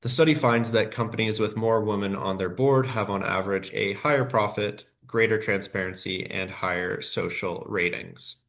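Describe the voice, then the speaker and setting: A man's voice: fairly low pitch, steady tone, normal speed, few pauses, a bit bright. A man with a head cold and a nasal voice, giving a scripted workshop presentation with frequent fillers and self-corrections.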